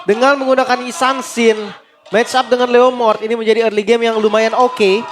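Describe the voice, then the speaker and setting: A man co-commentating a live esports match, mixing casual analysis with excited calls. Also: very high-pitched, moderate pace. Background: game music.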